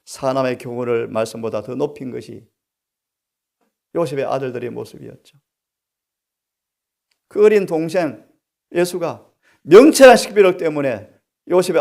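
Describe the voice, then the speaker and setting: Gravelly middle-aged man preaching. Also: mid-range voice, normal speed, pauses often. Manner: rhetorical questions to the congregation, swings from soft to loud. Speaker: pastor. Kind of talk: sermon.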